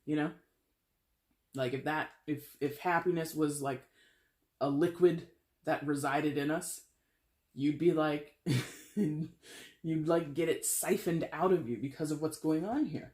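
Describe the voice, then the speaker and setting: Woman tarot reader with a fairly deep voice, chatty and animated, talks in loose run-on phrases. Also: takes it slowly, pauses often. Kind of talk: casual tarot reading monologue.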